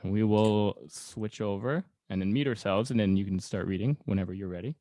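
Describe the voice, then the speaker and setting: Fast-talking man, casual podcast host. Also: on the low side, dark tone. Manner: rambling, searching for words. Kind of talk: casual literary interview.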